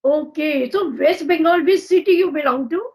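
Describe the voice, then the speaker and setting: A woman's voice: sits high, moderate pace, darkish tone. A woman with an Indian English accent hosting an English practice video call, asking friendly, encouraging questions. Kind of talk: casual video call chat.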